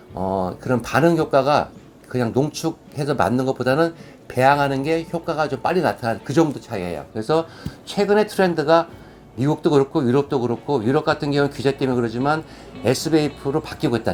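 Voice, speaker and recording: A man speaks at a fairly quick pace in a fairly high voice with ordinary pitch variation. Noticeable background noise runs under him. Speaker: orthopedic surgeon. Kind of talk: medical explainer talk to camera. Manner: fast.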